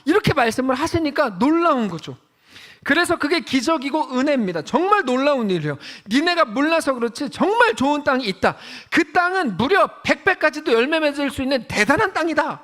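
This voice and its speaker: A man preaching a sermon as pastor, chatty and animated, asking the congregation questions and acting out quoted voices. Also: very high-pitched, a little fast.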